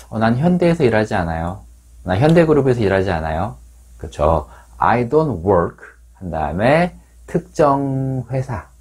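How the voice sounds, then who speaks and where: A man teaching an English lesson in Korean, patiently drilling short phrases and repeating each one slowly. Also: on the low side, darkish tone, breathy edge.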